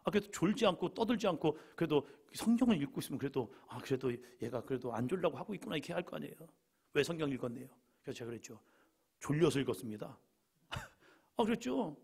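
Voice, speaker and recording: A male pastor preaching a Friday evening sermon, telling stories and acting out quoted lines, sometimes shouting and sometimes dropping to a quiet aside. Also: a little high, big pitch swings, quick pace, vocal fry, breathy edge.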